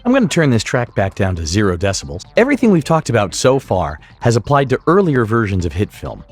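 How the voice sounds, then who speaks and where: A man narrating a scripted software tutorial as an instructor, in a measured, explanatory way. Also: on the low side, wildly swooping pitch, breathy edge, no echo, faint music behind.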